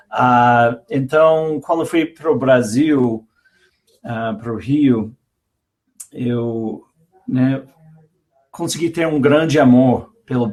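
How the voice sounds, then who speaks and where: A very slow delivery with ordinary pitch variation in a slight Rio de Janeiro accent. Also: man. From USA, moved around (military family). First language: English (speaking Portuguese). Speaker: biblical scholar. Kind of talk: interview. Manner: hesitant, many fillers.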